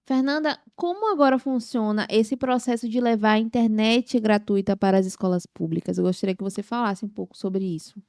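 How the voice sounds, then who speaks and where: A woman's voice: medium pitch, brisk, few pauses, a little mellow, no room sound, clean studio sound. A woman in her twenties with a Brazilian Portuguese accent, hosting a conversational podcast interview. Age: 20s. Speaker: podcast host.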